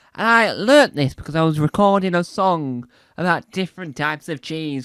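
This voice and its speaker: With a northern English accent, a man speaks at a high pitch and a fairly slow pace. The sound is dry and close with no echo, a very clean recording over a silent background. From northern England. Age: 20s. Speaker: stand-up comedian. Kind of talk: stand-up.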